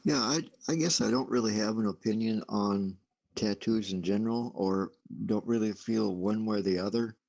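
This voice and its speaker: A man's voice: lowish voice, moderate pace, creaky, darkish tone. A man chatting casually in a tentative, noncommittal way as a show participant. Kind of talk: casual chat. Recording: dull lo-fi radio-app audio.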